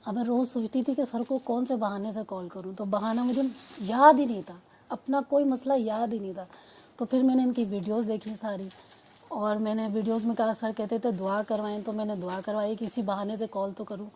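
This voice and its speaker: A woman's voice: fairly high pitch, steady tone, darkish tone, slight background noise. A woman, a mother of two, giving an earnest personal testimony that rambles and restarts. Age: adult mother. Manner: earnest, rambling storytelling with many restarts and quoted dialogue.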